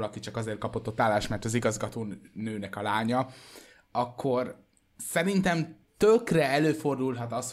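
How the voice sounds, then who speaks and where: A man co-hosting a podcast, talking in a rambling, hesitant way with many fillers. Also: medium pitch. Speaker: podcast co-host. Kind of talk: casual chat.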